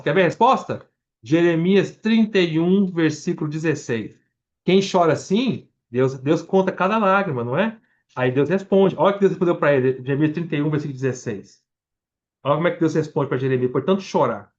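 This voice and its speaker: On a muffled recording, a Brazilian man with a Brazilian Portuguese accent preaches a Bible-study sermon in a fast, rather high voice. Going verse by verse through scripture, he restarts words and explains things, speaking directly to the congregation.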